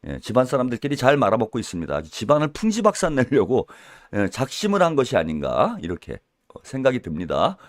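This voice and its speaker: A man's voice: mid-range voice, huge pitch swings, fast, no room sound, studio quality. A man giving a solo political commentary, heated and scolding, with mocking insults and little acted-out dialogues. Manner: acts out little mock dialogues.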